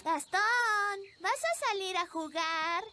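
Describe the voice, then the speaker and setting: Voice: extremely high pitch, slow. An actor voicing an innocent, eager young child in a Latin American Spanish cartoon dub. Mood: concerned. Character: cheerful young children, a little fairy princess and an elf boy. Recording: music behind the dialogue.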